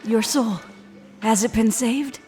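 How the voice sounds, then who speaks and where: A creepy older woman in a horror audio drama, pitched fairly high. She is a zealous, insistent stranger who preaches with unsettling fixation, over music. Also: slow, warm tone. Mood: eerie, pleading.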